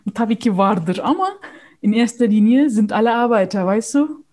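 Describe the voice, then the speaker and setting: Mellow woman chatting casually. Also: a little high, expressive, moderate pace. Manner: switches between Turkish and German mid-sentence. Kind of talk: casual chat, explaining a film.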